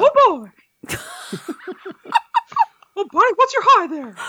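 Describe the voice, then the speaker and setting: A squeaky, put-on character voice sits at an extremely high pitch, with very wide pitch swings. It moves at a fairly slow pace in a cheerful tone. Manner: cheerful, cartoonish.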